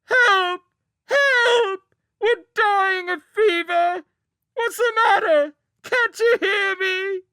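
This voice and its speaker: A cheeky young male mouse in a storybook reading, with lungs like bellows. The voice sits extremely high and piercing, howling out each word slowly. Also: no room sound, clean studio sound, full character voice. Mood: yelling. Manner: piercing yelling, howling for help. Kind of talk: audiobook character voice.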